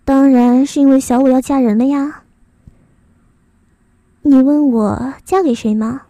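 Young woman doing a teasing cruel young lady, high voice, mellow tone, dry close sound. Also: fairly even intonation, dry recording. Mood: taunting. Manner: coy, teasing, drawn-out sentence endings. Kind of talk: adult fan audio drama.

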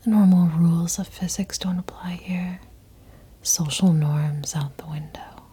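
A woman whispers throughout, her voice airy and breathy with almost no tone behind it. She speaks very slowly and keeps her pitch low and nearly flat. Her sound is soft and dark, suited to a hushed ASMR roleplay. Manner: slow, hushed, intimate whispering. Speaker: audio performer.

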